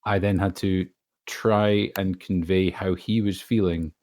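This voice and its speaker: A man's voice: low-pitched, steady tone, measured pace, darkish tone, slight background noise. A man chatting casually on a podcast as a voice actor, earnest and emphatic.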